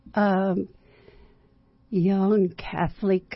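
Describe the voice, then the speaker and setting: Somewhat breathy, a woman speaks very slowly in a flat monotone. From US, moved to Dallas area, Texas as a teen. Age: 70s. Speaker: guest sharing personal life story. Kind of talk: personal testimony.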